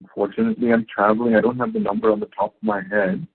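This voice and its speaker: A man answering questions as a company executive on a conference call, speaking in halting, unscripted phrases. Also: medium pitch, very animated, creaky, husky. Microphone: phone conference call. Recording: tinny narrow phone line.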